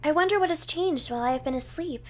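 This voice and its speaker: A woman voicing an unbothered, newly awakened ancient fox spirit woman in a visual novel game, in a calm, musing way. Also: high-pitched, fast, pitched above the performer's own voice, close to an everyday voice. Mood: unimpressed.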